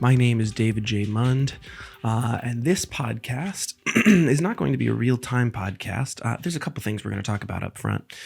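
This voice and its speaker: Somewhat breathy, the voice carries lively intonation. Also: man, medium pitch for a man, moderate pace. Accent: American. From northern Michigan, US. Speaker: podcast host. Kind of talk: casual podcast intro. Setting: home office. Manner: hesitant, many fillers.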